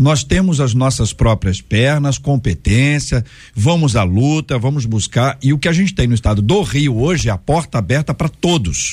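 Very clean and recorded against a silent background, a man's medium-pitched voice comes across as somewhat breathy. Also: moderate pace, very even loudness. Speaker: radio host. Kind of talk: radio debate moderation. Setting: studio.

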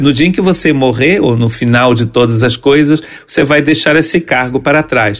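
A man speaks with a fairly high pitch in an unremarkable speaking voice. He has ordinary pitch variation and a moderate pace. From Brazil, Região dos Lagos (Rio de Janeiro state). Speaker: pastor. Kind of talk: sermon.

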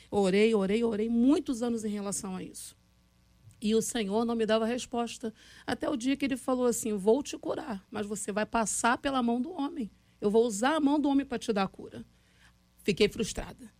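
At a moderate pace, a woman speaks in a plain, everyday voice with fairly high pitch and ordinary pitch variation. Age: 40s. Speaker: pastor. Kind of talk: radio panel debate.

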